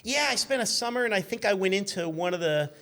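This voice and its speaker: A man's voice: high-pitched, expressive, fast talker, bright, forceful tone. A man in his fifties chatting casually as a guest, telling anecdotes in a self-deprecating, joking, rambling way. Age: 50s. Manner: rambling, digressive. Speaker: guest, car magazine editor and former radio intern.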